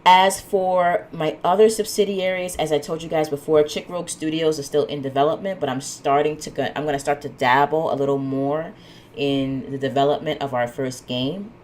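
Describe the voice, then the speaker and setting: A woman's voice: low voice, moderate pace, slight background noise. A woman hosting her own podcast, talking through her plans in a loose, rambling way with plenty of fillers, a little sniffly from a cold. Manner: relaxed, rambling, many "um"s and asides. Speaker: podcast host. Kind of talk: solo podcast monologue.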